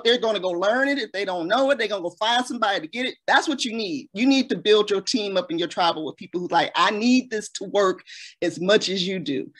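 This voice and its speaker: A woman filmmaker speaks as a guest on a panel over a video call. She talks frankly and drops in plenty of slang. Her voice sits at a middle pitch. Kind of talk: casual panel discussion.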